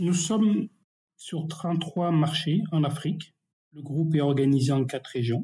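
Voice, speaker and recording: Somewhat breathy and dark, mellow in tone, a man speaks at a fairly high pitch with ordinary pitch variation and a fairly slow pace. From West and Central Africa, mainly Senegal. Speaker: bank executive. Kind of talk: interview.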